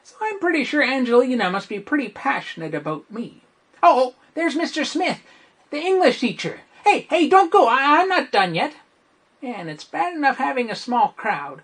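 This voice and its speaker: A man's voice: very high-pitched, heavily acted. A man playing a chatty, self-assured teenage schoolboy in a wry comic stage monologue. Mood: cheeky, smug, then put out. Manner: animated, wry, conversational storytelling.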